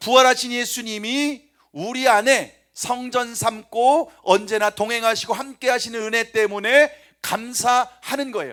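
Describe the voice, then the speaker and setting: An animated man with an extremely high pitch, a bright, sharp tone and a fairly slow pace. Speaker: pastor. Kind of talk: sermon. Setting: church.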